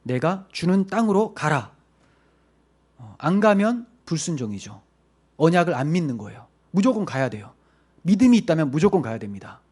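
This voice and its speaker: A man's voice: on the high side, big pitch swings, brisk, mellow, husky. A male pastor giving a midweek sermon, explaining Bible verses and asking rhetorical questions before answering them. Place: church.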